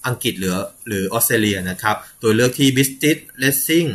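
A man's voice: mid-range voice, expressive, a bit bright. A man hosting a casual tech news show, reading headlines and viewer comments with frequent polite particles, small slips and short laughs. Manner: reads news items with filler particles and quick laughs.

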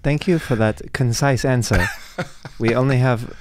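A man voicing a touchy, earnest eight-year-old boy hosting an amateur podcast, with a put-on East Asian accent, muddled consonants and halting, formal speech. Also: medium pitch, no echo, lightly acted. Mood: awkwardly formal.

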